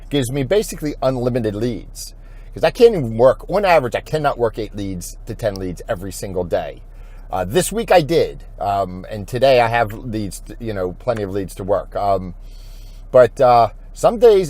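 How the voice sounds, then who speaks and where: A man's voice: medium pitch, a little mellow, no room sound. Rambling man giving informal corporate training. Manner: rambling, thinking aloud, halting. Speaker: insurance agent giving training.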